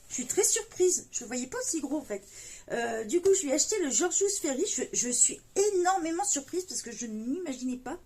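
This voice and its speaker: High-voiced woman chatting through a haul. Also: slight background noise. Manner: chatty, lots of fillers and "voilà", delighted exclamations. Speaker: coloring book haul vlogger. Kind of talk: casual unboxing chat.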